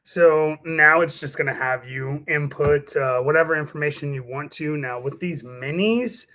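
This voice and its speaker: A man casually walking through a software task step by step in an informal, explanatory way. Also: a little high, moderate pace. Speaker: software demonstrator.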